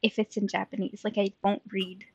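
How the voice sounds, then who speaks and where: A woman's voice: medium pitch, level tone, brisk, highs cut off. A young woman doing casual live gameplay commentary in a giggly, gushing way, as a game streamer. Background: game music.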